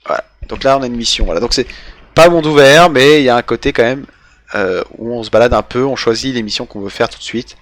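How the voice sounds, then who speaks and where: A man's voice: mid-range voice, fast talker. Rambling young French man streaming games. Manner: rambling, digressive, hesitant. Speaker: game streamer. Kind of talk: casual live gaming commentary.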